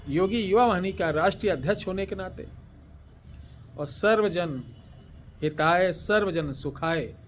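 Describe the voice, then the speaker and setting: A man giving spiritual instructions and slowly dictating a mantra, repeating phrases and pausing to clear his throat. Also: sits high, slight background noise. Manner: slow deliberate dictation, chanting words one by one. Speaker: tantric spiritual teacher.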